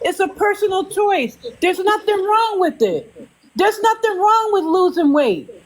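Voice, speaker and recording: A woman's extremely high-pitched, animated voice with lively intonation, very even loudness and a moderate pace. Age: 60s. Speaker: live stream panelist. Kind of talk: heated debate.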